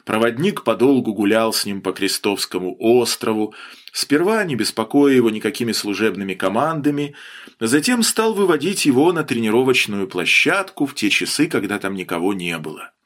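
Man narrating an audiobook, lively pitch. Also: normal speed. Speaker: audiobook reader. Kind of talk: scripted narration.

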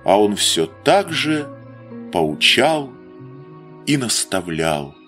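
A male narrator reads a literary story aloud with slow, deliberate pacing. His delivery is expressive and dramatic, and his pitch rises and falls widely. Faint music sits quietly behind him.

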